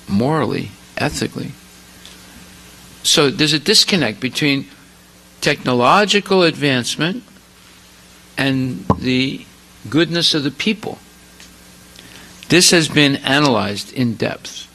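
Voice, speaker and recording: Man, scripture lecture, emphatic, rhetorical questions, gravelly, bright. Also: mid-range voice, rough recording.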